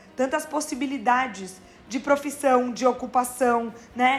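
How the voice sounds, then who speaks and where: A woman speaks with a high-pitched voice. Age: 30s. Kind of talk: interview.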